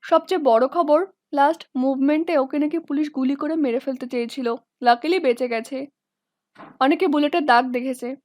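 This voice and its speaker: A woman's voice: sits high, moderate pace, a little mellow, no room sound, clean studio sound, close to an everyday voice. Woman reading a young man who drawls. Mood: languid. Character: young male student, drawls words.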